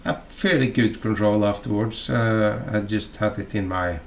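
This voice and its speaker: A man from Norway with a Norwegian accent, narrating a fly-tying tutorial in a halting, chatty way full of fillers and asides. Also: lowish voice, vocal fry, slight background noise.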